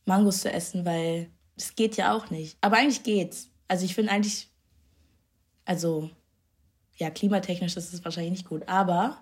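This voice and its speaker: A woman's voice: on the low side, darkish tone, slightly rough. A young woman from northern Germany, a bubbly podcast guest in casual chat who laughs often and drops English slang. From Schleswig-Holstein, northern Germany.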